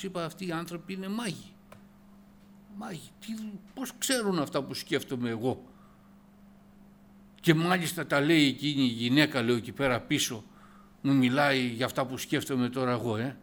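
A man giving a personal conversion testimony at church, telling his story with animated storytelling and acted-out dialogue, rising loud and emphatic on key points. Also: medium pitch, a little hiss or hum.

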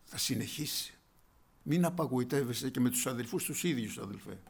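A man preaching a sermon, calling out loudly and then dropping to a hushed whisper, addressing his listeners as brothers and sisters. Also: medium pitch, lively intonation, vocal fry, husky. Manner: swings from loud exclamations to hushed whispers. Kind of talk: evangelical sermon.

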